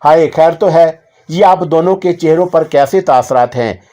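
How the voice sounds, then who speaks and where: A man voicing an anxious, motherly middle-aged lady of the house who pleads gently. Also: on the high side, a little slow, close to an everyday voice. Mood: worried. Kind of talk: audiobook character voice.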